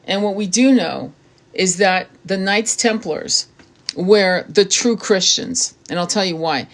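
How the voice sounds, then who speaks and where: A woman's voice: medium pitch, measured pace. A woman hosting her own channel, reading aloud from a book and breaking off into blunt, casual commentary with frequent swearing and stumbles. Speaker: tarot reader and spiritual channel host.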